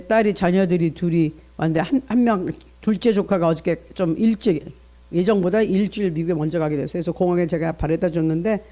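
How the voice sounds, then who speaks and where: A man in middle age delivers an early-morning sermon as a pastor, his voice sitting high for a man. He preaches earnestly, reading scripture aloud and speaking out a parent's inner thoughts to make his points. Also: dark tone.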